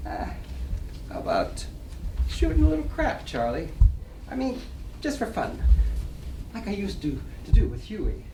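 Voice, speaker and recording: A man's voice: high voice, huge pitch swings, unhurried, vocal fry, long pauses, exaggerated voice. A man playing a brash, boastful 1920s New York gambler with slangy swagger in a staged play reading. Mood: coaxing. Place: library reading room, public event. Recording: roomy, distant mic, noisy room.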